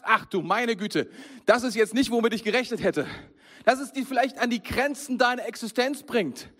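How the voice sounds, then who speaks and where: A man delivers a sermon with a fairly high voice. He speaks in a lively, conversational way and keeps turning straight to his listeners. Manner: lively, conversational, addresses the congregation directly. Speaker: preacher.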